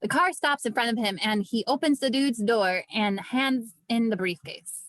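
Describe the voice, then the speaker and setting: A woman reading screenplay stage directions as scripted narration, with vivid, deliberate storytelling. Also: a little high, fairly bright tone, no echo, low-quality recording.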